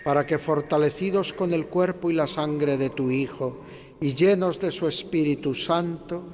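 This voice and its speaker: Slow, solemn priest in a cathedral. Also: male voice, on the high side, steady tone, a little mellow, slight background noise. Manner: slow, measured solemn recitation. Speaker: priest celebrating Mass. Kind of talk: liturgical prayer recitation. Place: large cathedral. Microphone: stand microphone at the altar. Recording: cathedral reverb, faint ambience.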